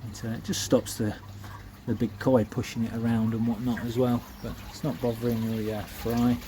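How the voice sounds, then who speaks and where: A koi keeper vlogs casually beside a pond in his back garden, chatty and homely with lots of fillers. His voice sits at medium pitch with a level tone and moderate pace, over background noise. The camera mic shifts between handheld and tripod.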